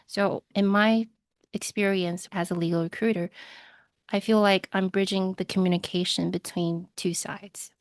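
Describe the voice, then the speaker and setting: A woman from Taiwan whose first language is Mandarin, answering interview questions in a measured, explanatory way. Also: mid-range voice, steady tone, no room sound, clean studio sound. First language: Mandarin Chinese. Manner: measured and explanatory, light laughs. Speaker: guest, legal recruiter.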